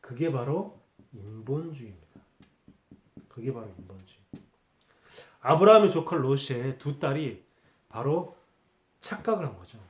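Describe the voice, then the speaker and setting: A man's voice: mid-range voice, darkish tone, reverberant. A man preaching a Sunday sermon as pastor, asking rhetorical questions and repeating key words for emphasis. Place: church sanctuary.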